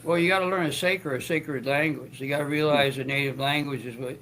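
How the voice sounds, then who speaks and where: A man's voice: a little high, fairly even intonation, a little fast, a bit bright, a little hiss or hum, low-quality recording. A man hosting his own talk show, speaking in a rambling, stammering way with frequent restarts and joking asides. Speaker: show host.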